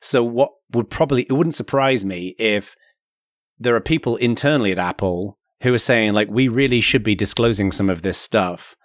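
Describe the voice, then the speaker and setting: A man's voice: on the low side, normal speed, dry recording, clean studio sound. A man co-hosting a casual tech podcast, rambling with many restarts and sounding mildly exasperated. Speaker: podcast co-host.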